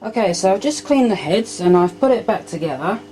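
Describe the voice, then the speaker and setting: A woman calmly explaining step by step as she unpacks and tests old equipment at home. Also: medium pitch, a little fast, poor audio. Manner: calm step-by-step explaining while handling equipment. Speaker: hobbyist vlogger. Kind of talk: casual demonstration narration. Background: faint machine hum.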